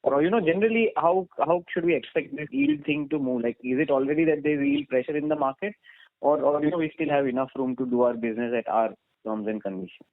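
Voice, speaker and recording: A dry, tinny phone line carries a fairly high-pitched man with an Indian accent. He is an analyst putting questions conversationally, rambling through them with plenty of "you know" and "like". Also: fast talker, gravelly, dry recording. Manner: rambling, filler-heavy, frequent "you know" and "like". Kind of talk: earnings call questioning, conversational.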